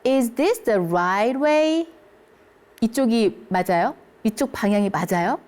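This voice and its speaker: A woman teaching English phrases to older learners, speaking them slowly and clearly and checking in often with her listeners. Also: on the high side. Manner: lively, encouraging, keeps checking in with listeners. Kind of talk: English lesson for seniors.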